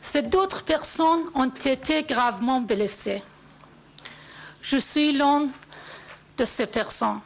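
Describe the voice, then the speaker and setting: A woman gives a solemn testimony. Her voice sits high, and she speaks slowly in deliberate, measured phrases. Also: gravelly. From Iran. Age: 40s. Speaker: activist giving testimony. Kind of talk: prepared first-person testimony.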